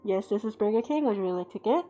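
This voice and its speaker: A woman putting on the flat, repetitive voice of a fast-food drive-through worker taking orders over the speaker. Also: mid-range voice, highs cut off, faint music behind, close to an everyday voice. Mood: deadpan. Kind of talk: comic impression on a live art stream.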